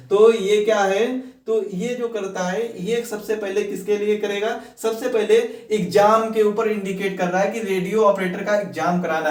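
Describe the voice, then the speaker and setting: High-pitched man, echoey and distant. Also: a little mellow. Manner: repetitive, asks questions and answers them himself. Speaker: exam-preparation coach and video host. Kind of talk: informal explanatory exam update. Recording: echoey room, distant from mic.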